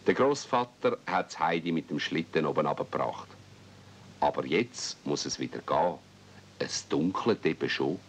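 A man with a Swiss German accent narrating a scripted radio play as a storyteller in dialect. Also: rumbling low. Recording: dull 1970s radio-play recording.

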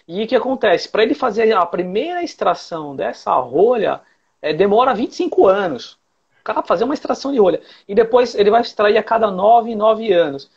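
Gravelly Brazilian wine expert on a call. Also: male voice, high voice, lively intonation, fairly quick, highs cut off. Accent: Brazilian Portuguese. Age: 40s. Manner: explains patiently, many fillers. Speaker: wine importer guest. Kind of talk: explanatory interview answers. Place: living room at home. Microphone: earphone mic on video call.

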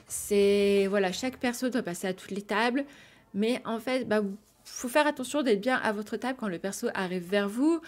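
Woman vlogger, casual chatty voice-over, mid pitch, soft music bed. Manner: chatty, many fillers and restarts. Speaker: vlogger reviewing restaurants. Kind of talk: voice-over review, partly read descriptions.

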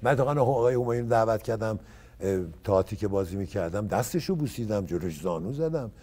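A man in his seventies from Iran, a guest actor recalling old stories in a casual interview and acting out what others said. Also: fairly low pitch. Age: 70s. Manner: animated storyteller who acts out others' words.

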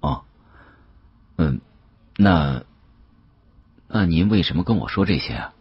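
A modest younger antique dealer , played by a male narrator, talks in a puzzled, faintly wry way. The voice is low and husky with lively, questioning intonation. It is an audiobook performance. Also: slow, no room sound, muffled recording, exaggerated voice. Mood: wry, hesitant.

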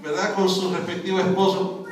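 A man's voice: high-pitched, little pitch movement, moderate pace, crowd noise. Preaching man, echoey hall. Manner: testimony with frequent "Gloria al Señor" exclamations. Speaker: pastor. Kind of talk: sermon. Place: church hall. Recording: echoey hall from far off with congregation.

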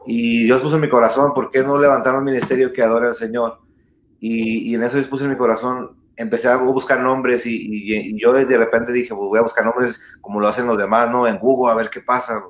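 A man's voice: medium pitch, flat delivery, a little fast, echoey room. A man of thirty, lead singer of a Christian worship band, talking earnestly with many fillers and restarts during a video-call interview. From born in Texas, raised in San Diego and Tijuana. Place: small room indoors at home. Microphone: webcam mic on video call.

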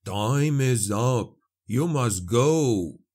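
A man voicing a solemn, cryptic male dwarf priest in a fantasy audiobook, making measured, portentous pronouncements. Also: medium pitch, lively intonation, darkish tone, breathy edge, heavily acted. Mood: grave, urgent.

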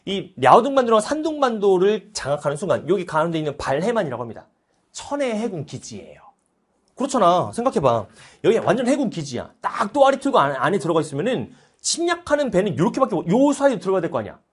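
A man in his thirties teaching history in a lively lecture, animated and playful, breaking into joking voices. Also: high-pitched, quick pace, breathy edge. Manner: animated, playful, puts on mock foreign voices.

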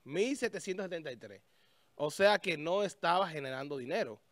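High-voiced man hosting a show. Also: expressive, normal speed, no room sound. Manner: talks while searching a website, thinking aloud with restarts. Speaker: show host. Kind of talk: casual on-air chat. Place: small studio with a festive desk. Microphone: studio mic on a stand.

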